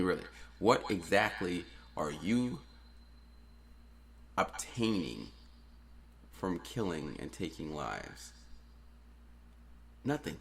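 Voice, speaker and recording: A man who grew up in New Orleans, hosting a solo podcast and ranting earnestly, with repeated phrases for emphasis. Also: low voice. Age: adult, has daughters. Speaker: podcast host.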